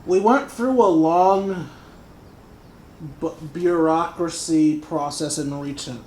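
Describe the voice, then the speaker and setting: A man's voice: on the high side, slow, a little mellow, slight background noise. A young man giving casual, joking game commentary and reading dialogue aloud with a wry manner. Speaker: gamer, video creator.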